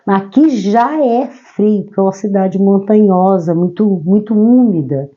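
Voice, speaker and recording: A hoarse woman talks slowly, explaining scripture verse by verse in a gentle, patient way. Her voice is warm and mellow, roughened by a lingering cold. The recording sounds a bit dull and lo-fi, made at home on her own mic. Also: mid-range voice. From Brazil. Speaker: Bible teacher. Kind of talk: devotional Gospel commentary. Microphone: own microphone.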